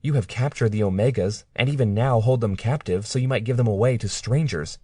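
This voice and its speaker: A man's voice: on the low side, moderate pace, dark tone, slightly rough, no echo, clean studio sound, pitched above the performer's own voice. A man voicing a defiant, frightened young captive woman in an audiobook, speaking in an earnest, pleading way. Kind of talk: audiobook character reading.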